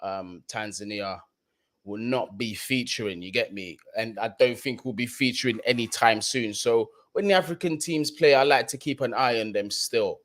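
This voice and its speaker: A young man with a London accent hosts a live football stream and talks to his viewers in easy, slang-filled chat. He repeats his points for emphasis, and his voice sits at an ordinary middle pitch for a man. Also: normal speed, a bit bright. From London, England. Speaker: football channel host.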